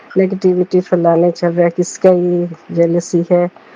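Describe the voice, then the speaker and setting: A woman's fairly low, monotone, flat voice, dry and close with no echo, over noticeable background noise. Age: 70s. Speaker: devotee sharing personal testimony. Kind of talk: recorded audio testimony.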